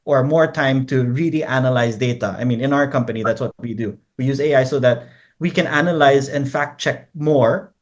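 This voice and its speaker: A man from Korea, a native Korean speaker, talking as a guest researcher in a conversational interview. He lays out his ideas point by point and keeps checking in with the listener. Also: medium pitch. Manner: explains in numbered points, tags statements with quick checks.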